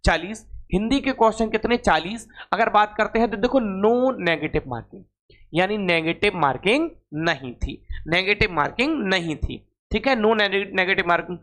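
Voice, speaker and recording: A man's voice: high voice, moderate pace, pushed and bright. A man teaching an informal exam coaching lesson, repeating phrases and figures for emphasis and addressing students in a familiar way. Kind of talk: informal lesson, explaining exam cut-offs.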